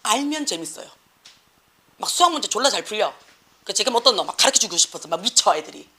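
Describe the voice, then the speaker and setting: A woman's voice: medium pitch, very animated, fast talker, sharp tone. A middle-aged woman with a Gyeongsang accent, an academy teacher lecturing and scolding students in a blunt, slangy way. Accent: Gyeongsang Korean.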